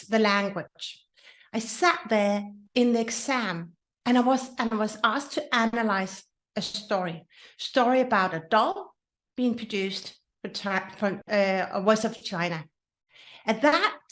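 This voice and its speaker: Danish woman host, second-language speaker, earnest podcast monologue, higher pitch. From Denmark. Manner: earnest, with frequent restarts and repetitions. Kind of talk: casual solo podcast talk.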